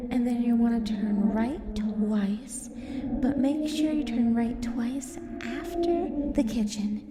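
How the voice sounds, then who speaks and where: Soft, high, slow ghostly hotel receptionist, woman acting. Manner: soft, breathy, hesitant, often dropping into whispers. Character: ancient lonely banshee receptionist at a monster hotel, gentle, polite. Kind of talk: ASMR roleplay, scripted monologue to the listener. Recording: distant, roomy, very noisy with ambience.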